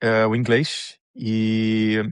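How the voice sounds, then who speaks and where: A middle-aged man with a Brazilian accent telling his story as an interview guest, measured and often repeating phrases as he searches for words. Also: on the low side, completely flat delivery, clear, resonant tone, dry recording, studio quality. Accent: Brazilian Portuguese. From Brazil, born in Paraná, grew up in Rio de Janeiro. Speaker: interview guest, technology manager. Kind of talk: conversational personal story.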